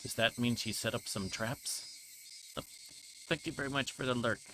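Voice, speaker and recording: A man livestreaming a visual novel, reading the game text aloud in a measured, slightly halting way. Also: mid-range voice, background noise.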